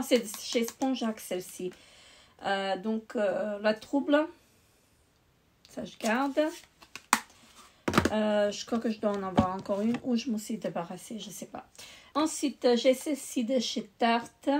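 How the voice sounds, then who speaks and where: A woman's voice: on the high side, a little mellow. A woman beauty vlogger chatting casually while showing her makeup, with lots of hesitations and restarts. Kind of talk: casual chat.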